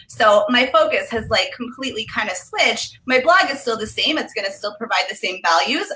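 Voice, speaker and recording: A woman's voice: medium pitch, pushed and bright, low-quality recording. A young woman, a travel blogger, giving casual advice on a video call with frequent ums. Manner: chatty, upbeat, frequent ums. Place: home room indoors. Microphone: video call webcam.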